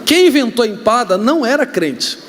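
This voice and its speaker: A man with a Brazilian accent, a pastor preaching a sermon, joking and telling stories with sudden shouts. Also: extremely high pitch, brisk, slight background noise. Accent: Brazilian Portuguese. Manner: joking, animated storytelling with shouts. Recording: reverberant hall, faint ambience.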